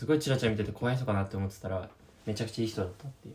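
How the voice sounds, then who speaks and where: Somewhat breathy, a man rushes through his words at a very fast pace. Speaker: solo podcaster doing an ASMR cooking diary. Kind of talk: casual solo chat while cooking. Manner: speech others say sounds effeminate.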